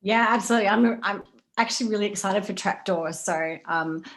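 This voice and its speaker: A woman's voice: medium pitch, fairly quick, fairly bright tone. A woman with a mid-range voice moderates an online panel. Her style is informal and conversational, and she is heard over a video call.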